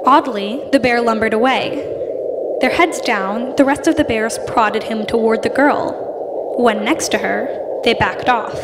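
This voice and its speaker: Young female narrator over loud noise. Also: on the high side, unhurried. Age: teenager. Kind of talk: scripted radio play narration. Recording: very noisy live stage recording.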